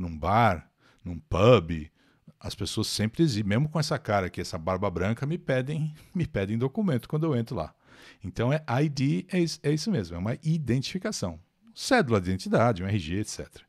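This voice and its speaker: A man's voice: mid-range voice, a little mellow, dry recording, studio quality. An older man with a Brazilian Portuguese accent teaches an English lesson live, explaining words and answering viewers in the chat by name.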